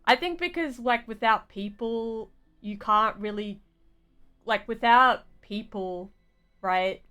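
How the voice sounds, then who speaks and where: A woman game streamer giving casual live commentary, rambling and halting as she thinks aloud. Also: a little high, pushed and bright, clear, resonant tone, highs cut off.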